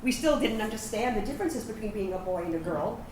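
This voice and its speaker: A woman's voice: medium pitch, animated, quick pace, darkish tone, natural voice. A woman acting in a staged reading as a trans veteran and their inner self, reminiscing conversationally, wounded yet playful. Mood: fond reminiscence. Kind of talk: staged reading of a personal narrative play. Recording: roomy, distant microphone, faint background noise.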